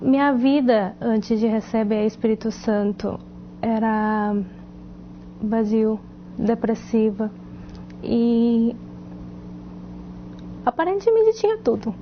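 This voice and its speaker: A woman from South Korea with a Korean accent, a Korean native speaker, giving a halting personal testimony, muffled with faint noise. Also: a little high, animated. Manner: halting, searches for words.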